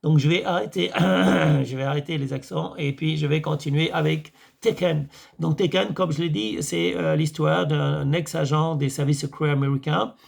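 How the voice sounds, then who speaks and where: A hoarse man with a French accent, from France, rambling casually to camera about a film, full of fillers and restarts. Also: on the high side, steady tone, moderate pace. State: hoarse, voice tiring. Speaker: YouTube vlogger reviewing films.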